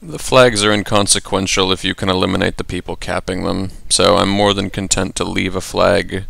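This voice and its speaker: A young man giving casual, rambling gameplay commentary in a rushed, offhand way. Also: low voice, level tone, gravelly, fairly bright tone, no room sound.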